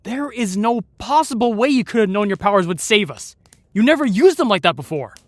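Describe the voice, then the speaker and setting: A man's voice: high-pitched, sing-song, a little fast, no echo. A man playing a protective, exasperated knight in a fantasy audio roleplay, speaking formally and earnestly. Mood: exasperated scolding. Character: protective, exasperated young male knight guarding a lady.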